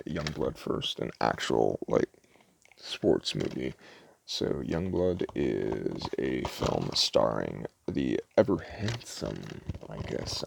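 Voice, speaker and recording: A man doing a casual ASMR store-clerk roleplay, rambling offhandedly and stumbling as he reads blurbs, with a gravelly voice on a noisy home recording. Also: rumbling low. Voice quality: gravelly, creaky. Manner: rambling, offhand, stumbles when reading aloud. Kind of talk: casual ASMR roleplay, chatting and reading movie blurbs aloud.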